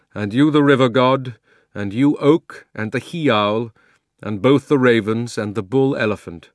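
A great male lion speaks with warm authority, as a man reads him aloud. His words come slow and grave, projected strongly. The storybook recording is dry and close. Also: medium pitch, dry recording, lightly acted. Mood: commanding. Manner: solemn, commanding, slow. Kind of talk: audiobook character voice.

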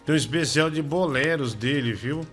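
A man's voice: on the high side, moderate pace, fairly bright tone. A man hosting a casual live show, joking and teasing. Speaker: host. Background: music playing.

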